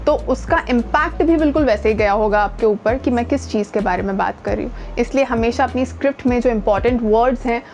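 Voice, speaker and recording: Here the Indian-accented voice coach talks quickly, with hardly any pauses, in a voice on the high side and darkish in tone, while soft music plays underneath. It's a conversational lesson delivered to camera, mixing in English and stressing key words.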